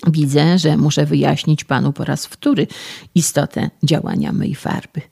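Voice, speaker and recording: A man's voice: fairly high pitch, fairly even intonation, normal speed, gravelly, a little mellow, slightly rough. A man reading an audiobook, voicing a self-assured physician who lectures a young man in a sermonizing, patronizing way. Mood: lecturing.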